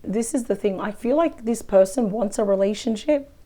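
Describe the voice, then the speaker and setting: Hoarse woman with a croaky cold voice. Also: mid-range voice, normal speed, dark tone. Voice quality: croaky, weak voice. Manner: chatty, thinks aloud over the cards. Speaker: tarot reader. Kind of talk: weekly tarot reading. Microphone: close microphone.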